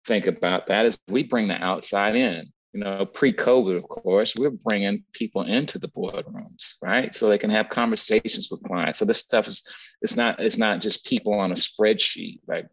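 A man with a somewhat low, husky voice talks as a guest in a podcast interview. He tells stories bluntly and with energy, swearing freely and repeating words as he goes. The audio is dull and lo-fi. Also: moderate pace. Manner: animated storytelling, frequent profanity and repetitions. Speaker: guest, agency founder and strategist.

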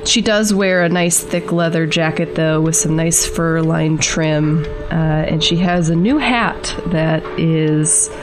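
A woman's voice: low-pitched, slow, few pauses, over music. A woman casually describing her tabletop game character as a player on a show.

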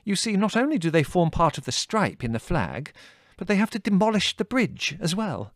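A man's voice: high voice, big pitch swings, moderate pace, no echo, clean studio sound, pitched above the performer's own voice. A man voicing a fussy, agitated old colonel who blusters in clipped phrases.

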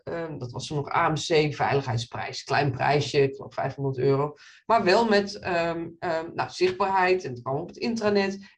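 A middle-aged woman surgeon and professor, answering interview questions in an animated, storytelling way with many restarts. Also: mid-range voice. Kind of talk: interview in front of an audience.

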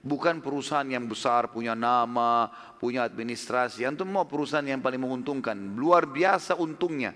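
A man giving an Islamic sermon, telling stories with rhetorical questions to his listeners and chanting scripture passages slowly. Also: medium pitch, big-room sound. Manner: lively storytelling with rhetorical questions, chanted Quran recitation. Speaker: preacher.

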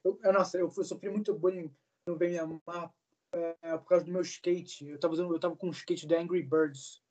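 A man's voice: fairly high pitch, level tone, fairly quick, darkish tone, muffled recording, faint music behind. Young man rambling casually with slang. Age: 20s. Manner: rambling, with many fillers and swearing. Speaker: guest, singer. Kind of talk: casual interview chat.

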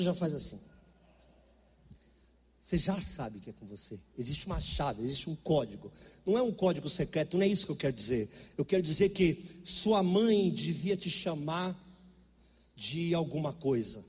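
A man's voice: a little high, big pitch swings, moderate pace, darkish tone, husky, big-room sound. A middle-aged Brazilian man preaching a sermon, telling stories in an emphatic, conversational way. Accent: Brazilian Portuguese. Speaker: pastor. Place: church.

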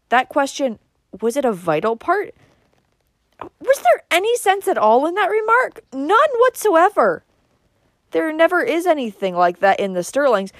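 Lady doing grumpy blustery old uncle in a storybook, growly and scornful, pitch jumping all over, dry sound. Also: no echo, close to an everyday voice. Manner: snorting, growling, emphatic. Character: angry, blustering, pudgy older uncle, scornful.

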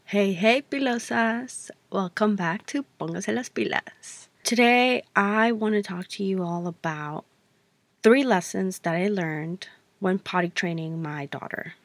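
Chatty woman with a gravelly, dry voice. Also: medium pitch, measured pace, no echo, faint music behind. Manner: chatty, rambling, self-correcting with many fillers. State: stuffy-voiced from allergies. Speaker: podcast host. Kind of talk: casual solo podcast talk.

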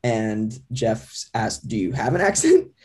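A man who is an actor, an interview guest telling a story in a relaxed way. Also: on the low side, a little slow. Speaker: actor, cast member guest. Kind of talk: casual interview chat.

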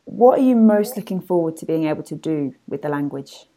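A woman interviewing a guest in a casual, attentive manner. Her voice sits fairly low and has a soft, dark tone, with encouraging short responses. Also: animated, a little fast. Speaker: interviewer, podcast host.

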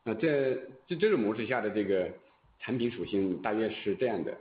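A male executive answering on an earnings call in a deliberate, halting way. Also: on the low side, expressive. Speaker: company executive answering questions. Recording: thin phone-like conference line.

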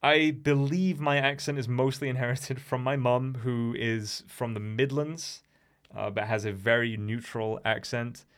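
A man's voice: mid-range voice, steady tone, a little slow, fairly bright tone, clean tone. A man of twenty-five with a somewhat Americanized English accent, hosting a casual solo podcast in a meandering, slightly nervous way with many restarts. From England. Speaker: podcast host and streamer.

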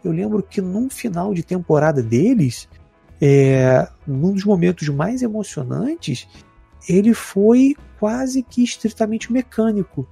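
A man with a Brazilian accent, chatting casually on a podcast in a relaxed, rambling, slangy way. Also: sits high, measured pace, gravelly, husky, dry recording, faint music behind. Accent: Brazilian Portuguese. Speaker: podcast co-host. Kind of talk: casual chat about tabletop games.

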